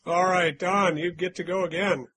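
A man's voice: high-pitched, steady tone, moderate pace, a bit bright. A man hosting a casual game quiz on a podcast, reading clues in a playful, teasing way. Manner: playful, teasing, hums little doot-doot jingles. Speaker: quiz host.

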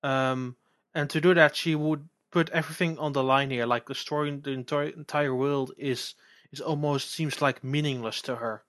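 A man's voice: fairly high pitch, fairly even intonation, moderate pace, fairly bright tone. A man co-hosting a podcast, talking casually about a video game with eager, stumbling repetitions. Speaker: podcast co-host.

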